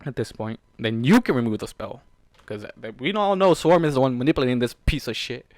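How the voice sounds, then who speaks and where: A man with a medium-pitched voice reads fan fiction on a very dry recording. He is emotional and exasperated, stumbling over words and breaking off into heated, sweary reactions. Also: animated, brisk, no room sound. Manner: emotional, exasperated asides, stumbles when reading. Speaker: host reading fan fiction aloud. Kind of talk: story narration broken by heated, sweary commentary.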